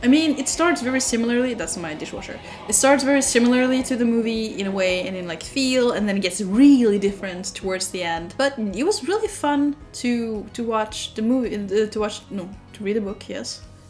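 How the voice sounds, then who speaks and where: A woman with a Norwegian accent talks at a fairly quick pace in a fairly high voice, her intonation lively and hardly any pauses breaking it, with music playing in the background. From Norway. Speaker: YouTuber. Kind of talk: casual video diary. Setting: at home. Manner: casual, hesitant with fillers.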